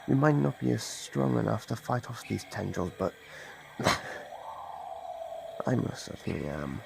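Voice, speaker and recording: An ancient monster, acted by a man, hunts in ASMR roleplay with a heavily creaking, gravelly voice. The pitch swings widely as he taunts and gloats like a possessive predator. Clear background noise sits behind the voice. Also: heavily acted. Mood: taunting, predatory. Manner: slow, theatrical, taunting. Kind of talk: ASMR roleplay, dramatic monologue.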